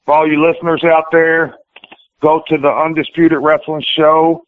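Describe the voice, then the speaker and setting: Here the wrestler's voice runs on the high side, level in tone and moderate in pace. He rambles through a casual interview in colloquial, plain-spoken speech that sometimes turns profane, all carried on tinny, phone-like radio audio.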